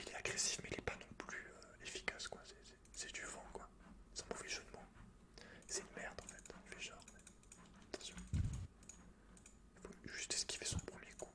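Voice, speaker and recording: A man whispering casual, slangy ASMR gameplay commentary close to the mic in a teasing way. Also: sharp tone. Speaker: gaming ASMR host. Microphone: close microphone. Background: computer keyboard typing.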